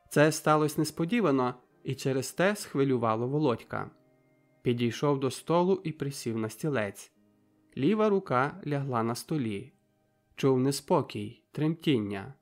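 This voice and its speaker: A man reading an audiobook, narrating in a steady, measured way. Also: medium pitch, soft background music.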